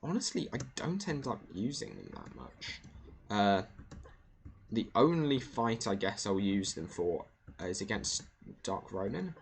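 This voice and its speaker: A man's voice: on the low side, wildly swooping pitch, a little slow, gravelly, slight background noise. A man streaming a video game, thinking aloud in a casual, rambling way with many fillers. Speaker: gaming streamer. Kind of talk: casual gameplay commentary.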